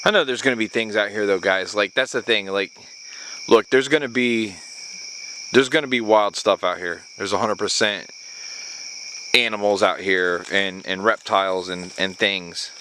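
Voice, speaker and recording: A man's voice: fairly low pitch, moderate pace, sharp tone, slight background noise, poor audio. A man talking casually as an adventure vlogger, recorded outdoors at night in the jungle. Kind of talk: casual hushed talk to camera and companion while night camping. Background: crickets and insects.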